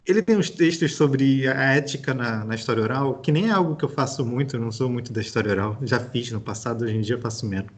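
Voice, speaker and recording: A man's voice: medium pitch, quick pace, few pauses. A young man from Brazil with a Rio de Janeiro accent, a guest historian in a casual podcast interview, thinking aloud and restarting his sentences. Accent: Brazilian Portuguese, Rio de Janeiro.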